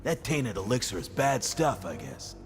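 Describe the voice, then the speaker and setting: An actor playing a scornful, grumbling street gang thug in a video game, terse and dismissive. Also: male voice, mid-range voice, big pitch swings, moderate pace, over music, close to an everyday voice. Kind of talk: video game character banter.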